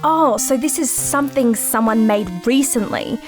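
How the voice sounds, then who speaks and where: Eager British female co-host played by an actress, slightly high voice, dry teasing banter, naturalistic audio drama over music. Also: moderate pace, natural voice. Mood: reasoning. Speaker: podcast co-host.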